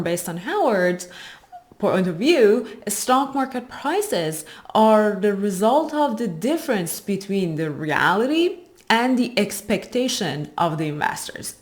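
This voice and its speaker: A woman presenting prepared explanatory commentary as a channel host, explaining in a measured way and stressing key phrases. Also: mid-range voice. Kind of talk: explanatory investing commentary, prepared talk to viewers.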